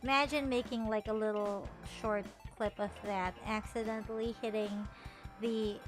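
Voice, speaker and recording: A woman's voice: mid-range voice, normal speed, music in the background. A woman from the Philippines, chatting playfully on a stream, teasing herself and laughing often. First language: Filipino. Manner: animated, playful and self-mocking, laughs often. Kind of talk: casual chat stream.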